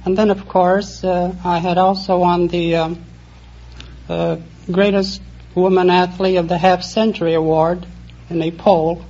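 Halting woman from Poland, old radio. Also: lowish voice, flat delivery, mellow. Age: 40s. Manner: hesitant, halting. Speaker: quiz contestant. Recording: dull old radio broadcast.

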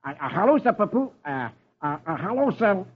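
A man's voice: high voice, big pitch swings, normal speed, breathy edge, pitched above the performer's own voice, exaggerated voice. Donald Duck, a man doing a blustering know-it-all. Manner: blustering, stumbles over long words. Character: know-it-all cartoon duck uncle, boastful. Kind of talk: 1950s radio reading of comic strips. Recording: dull old radio recording.

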